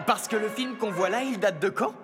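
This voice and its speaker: A woman's voice: mid-range voice, a little fast, lightly acted. A woman voicing a brash, cheeky, wisecracking young superhero in a French cartoon dub. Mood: curious. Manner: punning, cocky, exclamatory. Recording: loud music behind.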